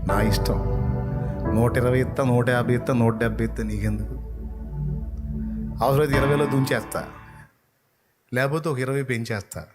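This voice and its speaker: A man voicing God as a calm, sovereign male figure, speaking low and matter-of-fact. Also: normal speed, long pauses, over music, natural voice. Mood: assured.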